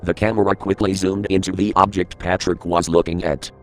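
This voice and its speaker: A man with a very low voice reads a creepypasta horror story aloud. He keeps a steady, grave tone throughout, letting the dark events land plainly. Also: fairly quick, soft background music. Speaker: narrator.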